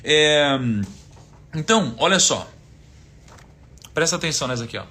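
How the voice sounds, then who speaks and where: A Brazilian man in his thirties talks through lessons on faith and money in a relaxed, teacherly way. His voice sits a little high and sounds bright and forward. He leans on rhetorical questions and quoted verses to make his points. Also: moderate pace. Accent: Brazilian Portuguese. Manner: conversational, asks rhetorical questions, quotes scripture. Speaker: finance speaker giving a faith-based talk. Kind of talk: casual teaching talk, live stream.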